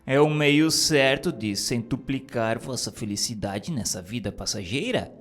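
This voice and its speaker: A man reading a script of spiritual messages in a solemn, measured, preacherly manner. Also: medium pitch, expressive, a bit bright. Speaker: narrator. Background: music.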